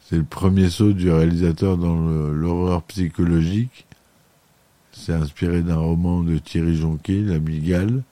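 A man with a deep, very dark and mellow voice reads a film chronicle for his podcast. He often stumbles over words and restarts them. The recording is dry and close. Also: fairly even intonation, moderate pace, no echo. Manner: reads aloud with frequent stumbles and self-corrections. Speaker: podcast host.

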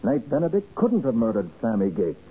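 An actor playing a brisk, commanding private detective in a 1940s radio crime drama. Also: male voice, medium pitch, very animated, natural voice. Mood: brisk, resolute. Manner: decisive, takes charge. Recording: noisy, narrow-band 1940s radio recording.

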